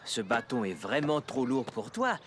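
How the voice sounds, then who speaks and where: A man's voice: mid-range voice, big pitch swings, unhurried, heavy background noise. An actor playing a friendly, encouraging father in a children's cartoon, explaining things patiently to a small child. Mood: kindly, patient. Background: music.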